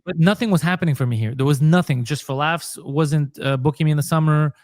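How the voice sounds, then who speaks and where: A man's voice: on the high side, quick pace, darkish tone, no room sound, studio quality. A comedian and podcaster from Montreal, a man, telling his story in a casual interview and acting out the dialogue he quotes. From Montreal, Canada.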